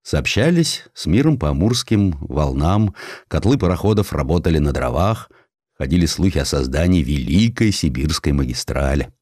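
A man's voice: very deep voice, very animated, moderate pace, a little mellow, no room sound, studio quality. A man narrating a historical sketch as an audiobook, in a theatrical and wry storytelling manner.

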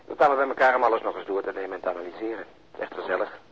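A man's voice: fairly low pitch, rapid-fire, close to an everyday voice. An actor playing a nervous, ironic perfectionist policeman in a radio drama, wry and at times hesitant. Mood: sardonic. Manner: wry, hesitant, theatrical emphasis. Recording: muffled radio drama recording, clear background noise.

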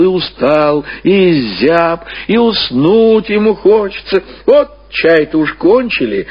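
Man acting chiding, high-voiced old grandmother. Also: breathy edge, heavily acted. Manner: measured, cajoling, homely sing-song. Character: old grandmother, chiding, coaxing, falsely playful peacemaker. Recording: dull old radio recording.

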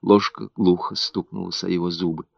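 A man narrating an audiobook with an expressive, dramatic delivery. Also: sits low, moderate pace, vocal fry, no room sound. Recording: dull, dry audiobook recording.

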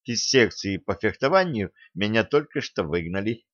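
A man's voice: fairly low pitch, animated, normal speed, a bit bright, no echo, muffled recording. A man voicing a sheepish, cheeky young martial arts student who mumbles his apologies. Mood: apologetic.

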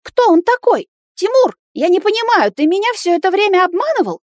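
A squealing, indignant young woman who fires off one demanding question after another, played by a female audiobook reader. Her voice sits high and swings up and down with every line. It is recorded close and dry, with no room sound. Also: very animated, a little fast, dry recording. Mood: hysterical.

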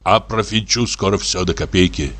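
Guy reading a whiny self-pitying wastrel, slow drawn-out moaning, storybook voice. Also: low voice, fairly bright tone. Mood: lamenting. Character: self-pitying squandering man, sighing and lamenting.

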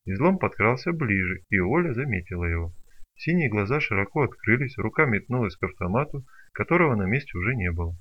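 A man narrating an audiobook in an expressive storytelling manner. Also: on the low side, fast, breathy edge. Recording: dull lo-fi recording.

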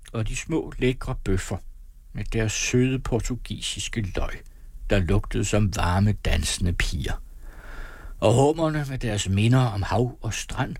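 Husky, low-voiced male narrator. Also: no echo. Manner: calm, measured storytelling. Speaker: audiobook narrator. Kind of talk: scripted narration.

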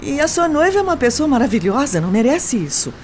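Wary young woman, high lively voice, faint background noise. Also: quick pace. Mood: reproachful. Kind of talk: radio drama acting.

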